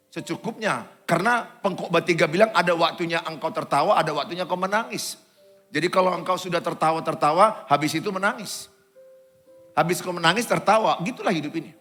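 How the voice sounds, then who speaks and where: A pastor with a Medan accent delivers a sermon in a church hall, his voice pitched high for a man. He swings from loud, urgent exhortation to quiet, softer asides. Faint music plays behind him. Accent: Indonesian, Medan. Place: church auditorium.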